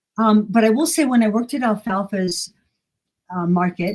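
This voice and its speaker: Somewhat breathy and medium in pitch, this woman's voice moves at a moderate pace with ordinary pitch variation. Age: 70s. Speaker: herbalist. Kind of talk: casual chat. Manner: animated.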